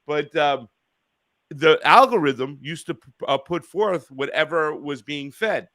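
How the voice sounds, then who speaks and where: A man hosting a call-in talk show, chatting casually, rambling and profane, getting loud and animated when he rants. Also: a little high, a little slow, dry recording. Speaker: radio show host.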